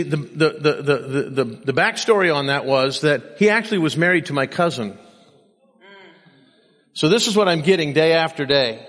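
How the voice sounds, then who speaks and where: A man's voice: fairly high pitch, a bit bright, big-room sound. A man preaching a sermon and telling personal stories with self-deprecating humor, saying he is sleep deprived. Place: church.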